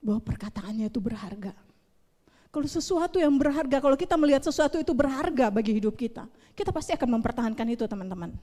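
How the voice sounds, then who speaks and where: A woman preaching a sermon at a youth service, swinging between loud urging and hushed, near-whispered prayer. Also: a little high, lively intonation, fast, big-room sound.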